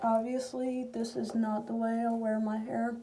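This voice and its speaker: Speaking at a fairly slow pace, a woman has a fairly high pitch. Noticeable background noise and audible room echo surround her. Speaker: YouTuber vlogger. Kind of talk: casual tutorial vlog. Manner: soft-spoken.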